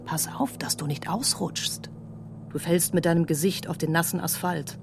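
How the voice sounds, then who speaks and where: A woman playing a haunting, anguished voice of memory in a literary radio play, deliberate and often dropping to whispers. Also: on the low side, fairly even intonation, vocal fry, noisy background. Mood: bitter, haunted. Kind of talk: literary radio drama, echoing recitation. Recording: music behind the voice.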